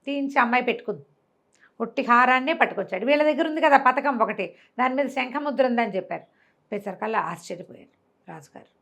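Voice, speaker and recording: A woman's voice: a little high, animated, fast, a bit bright. A woman with a Telugu accent telling a folk tale conversationally, explaining as she goes and acting out dialogue in her own voice. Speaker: storyteller.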